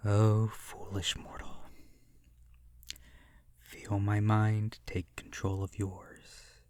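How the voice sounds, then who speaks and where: Casting: male actor for sadistic vampire, low-pitched, languid and mocking, theatrical with breathy whispers, intimate horror roleplay audio. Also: dry recording. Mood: menacing, condescending.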